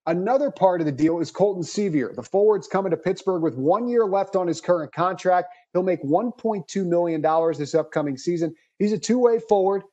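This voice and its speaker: Man hosting a sports podcast, mellow. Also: high-pitched, a little fast, hardly any pauses, dull audio. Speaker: podcast host. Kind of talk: scripted sports podcast narration.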